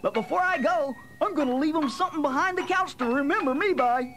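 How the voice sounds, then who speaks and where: A man's voice: very high-pitched, a little fast, over music. A man voicing a disgruntled talking pet dog, grumbling and put-upon, in a comic answering machine skit. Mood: fed up.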